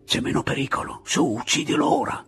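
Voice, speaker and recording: Male reader doing a slightly drunk gypsy fighter: hushed, pressing, raspy, a bit raised in pitch. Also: expressive, moderate pace, soft background music, heavily acted. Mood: insistent. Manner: hushed, insistent. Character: tipsy, blunt male gypsy guerrilla, urging murder.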